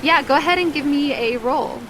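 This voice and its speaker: A woman's voice: sits high, a little fast, background noise. A woman game master narrating a tabletop adventure in casual, descriptive storytelling style, with music behind.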